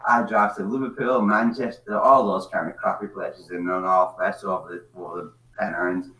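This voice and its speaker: A man's voice: sits low, steady tone, moderate pace, fairly bright tone. A drunk man from Scotland, rambling and swearing through a casual online chat. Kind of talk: casual chat on an open call-in platform. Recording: echoey, distant mic.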